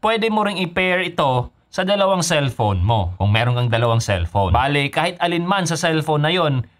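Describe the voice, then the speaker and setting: A man's voice: fairly high pitch, sing-song, normal speed. A man with a Filipino accent giving a scripted motorcycle gear review as a vlogger, mixing in English phrases. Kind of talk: scripted review narration with Taglish code-switching.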